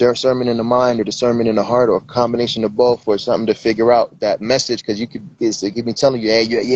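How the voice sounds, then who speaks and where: A man speaks at a very fast pace in a New York accent. His intonation stays monotone and flat. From New York City, the Bronx. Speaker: rapper and beat maker. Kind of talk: casual chat. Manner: halting.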